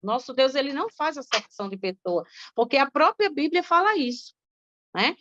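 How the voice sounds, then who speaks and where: Brazilian woman, Sunday school teacher, explanatory tone, high pitch, dull dry recording. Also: expressive, normal speed, fairly bright tone, dry recording. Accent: Brazilian Portuguese. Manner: explanatory, with filler tags. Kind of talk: Bible study podcast discussion.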